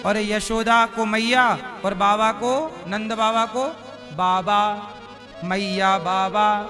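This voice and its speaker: A man preaching a devotional sermon in a fairly high voice. He draws the crowd into call-and-response and slips into chanting and song. He speaks slowly and gives each phrase room, with instrumental music playing behind him. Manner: lively storytelling, bursts into chant and song.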